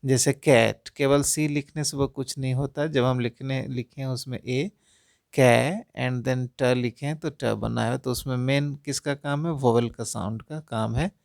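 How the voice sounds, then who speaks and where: Slow, deliberate male reading tutor. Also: medium pitch, fairly even intonation, gravelly, darkish tone, no echo, clean studio sound. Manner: deliberate, sounds words out syllable by syllable; repeatedly addresses dear parents. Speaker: English reading tutor for parents. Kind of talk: instructional talk to parents.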